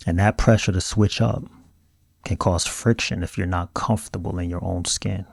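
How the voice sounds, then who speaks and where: Deep, gravelly man with African American accent. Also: fairly even intonation, normal speed, a little mellow, no echo, studio quality. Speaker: video host. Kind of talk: scripted video essay commentary.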